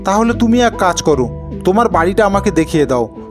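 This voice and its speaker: A man's voice: sits high, sing-song, brisk, over music. A man playing a greedy, scheming jeweler in a cartoon folk tale, with a demanding, inquisitive manner.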